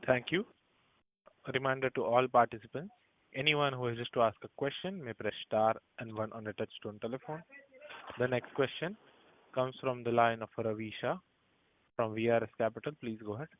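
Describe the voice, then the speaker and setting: Male operator, mid-pitched, formal scripted delivery on narrow phone audio. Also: normal speed, no echo. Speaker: conference call operator. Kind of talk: formal scripted call announcements. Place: conference phone call. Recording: narrow telephone line.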